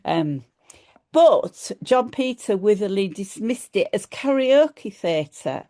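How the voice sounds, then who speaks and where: A woman's voice: medium pitch, lively intonation, slow, dark tone. A middle-aged woman with a broad Yorkshire accent giving a lecture, chatty and loose, with frequent ums and restarts. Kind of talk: academic lecture.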